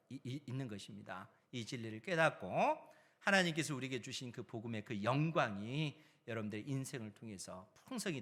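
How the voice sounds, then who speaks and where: A male pastor preaching a sermon, asking rhetorical questions and stretching key phrases, swinging from loud emphasis to soft trailing endings. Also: mid-range voice. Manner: asks the congregation rhetorical questions.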